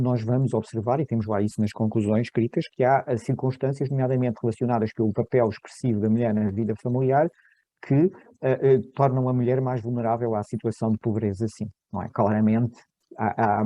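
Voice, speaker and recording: A man's voice: on the low side, mellow, dry recording. A middle-aged man, a researcher, giving an academic seminar talk in a hesitant way, restarting and repeating small words often. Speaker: researcher presenting his study.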